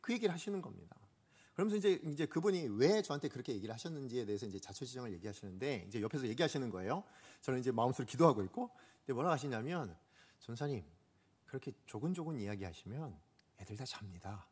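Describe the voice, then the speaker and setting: A man's voice: medium pitch, racing, husky. A male pastor preaching a sermon, telling a story from his own ministry, asking the congregation questions and acting out what people said. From Korea. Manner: animated, asks the congregation questions; acts out quoted speech.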